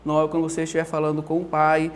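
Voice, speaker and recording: High-voiced, animated male Bible teacher. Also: racing. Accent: Brazilian Portuguese. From Brazil. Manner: animated storytelling, acts out quotes. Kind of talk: lively church teaching talk.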